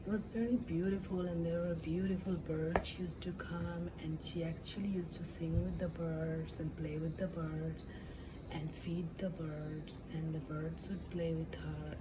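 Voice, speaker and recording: A woman with a slightly low voice retells a fairy tale for ASMR. She takes her time, halting and humming between phrases. There is clear background noise on the recording. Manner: halting, with hums and drawn-out pauses. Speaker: ASMR storyteller.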